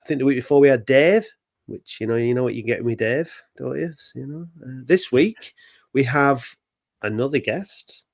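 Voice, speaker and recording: A man's voice: medium pitch, normal speed, gravelly, no room sound. Chatty man hosting a podcast. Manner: chatty, bantering. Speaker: podcast host. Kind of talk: casual football podcast chat.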